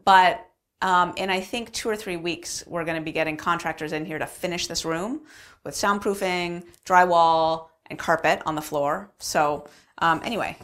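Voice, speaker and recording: Woman vlog host, lowish voice, chatty with ums, echoey bare basement room. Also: a bit bright. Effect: echo from a bare room. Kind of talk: casual explanatory vlog talk. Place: unfinished basement room with cinder block walls.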